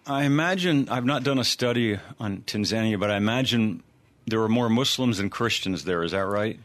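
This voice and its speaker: A man's voice: fairly low pitch, normal speed. A man hosting a Christian radio program, asking friendly, leading interview questions.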